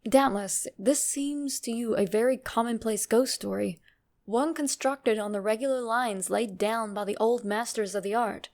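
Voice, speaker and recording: A woman's voice: a little high, moderate pace, darkish tone, lightly acted. A woman voicing an uneasy, formal man who recounts an uncanny apparition in a dramatic horror reading. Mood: insistent, unsettled.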